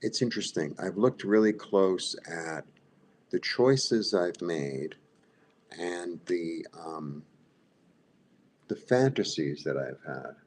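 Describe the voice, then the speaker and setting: A man's voice: deep voice, expressive, slow, pauses often, darkish tone, slight background noise. A man with a Brooklyn Jewish accent giving a live tarot reading, rambling, repeating himself and asking the viewers "right?". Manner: talks to viewers directly, asks "right?". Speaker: tarot reader.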